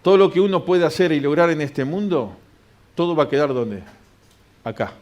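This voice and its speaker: Preacher, man, slightly high voice, reads scripture and answers his own questions in a sermon. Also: expressive, normal speed, a little mellow, dull audio. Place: church.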